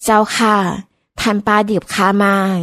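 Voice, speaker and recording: A woman voicing a meek, polite young noblewoman who speaks softly and deferentially to her mother-in-law. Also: moderate pace, no echo, close to an everyday voice. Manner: soft and deferential.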